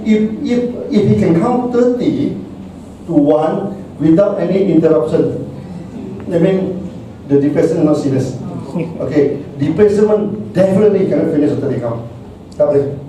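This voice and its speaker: A middle-aged man with a Malaysian English accent, talking casually and haltingly, repeating words and chuckling often. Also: on the high side, animated, background noise. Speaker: speaker discussing meditation. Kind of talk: casual talk. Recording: echoey room, far-off mic.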